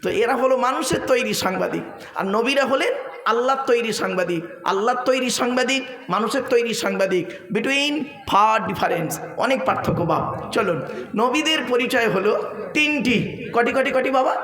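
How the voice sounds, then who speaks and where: A man preaches to a big religious crowd in an extremely high, slightly bright voice with lively intonation and a moderate pace. Speaking into a stage mic, he teases the audience with questions and frequent laughter, the open-air PA making everything echo.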